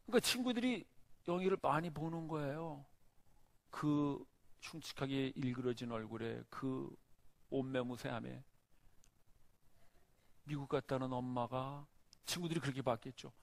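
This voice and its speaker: Gravelly middle-aged man telling a story. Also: mid-range voice, moderate pace, long pauses, no echo. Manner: animated storyteller, acts out the scenes. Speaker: pastor. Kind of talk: sermon storytelling. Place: church.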